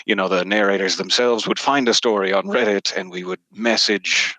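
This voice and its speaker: Bright, crisp-toned man chatting as podcast guest. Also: fairly low pitch, steady tone, moderate pace, dry recording, low-quality recording. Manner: self-deprecating, wry humour. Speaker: interview guest, podcast narrator. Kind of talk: casual interview chat, telling anecdotes.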